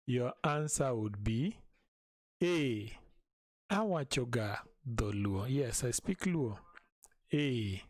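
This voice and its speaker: Slow, patient male language teacher. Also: mid-range voice, dry recording, studio quality. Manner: slow, patient, repeating phrases for learners. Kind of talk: live-streamed language lesson.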